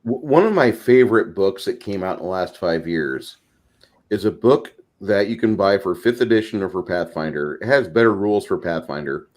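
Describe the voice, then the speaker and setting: Man, lowish voice, casual discussion host, rambling explanations, gaming talk. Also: lively intonation, moderate pace, a little mellow. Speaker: tabletop gaming show host.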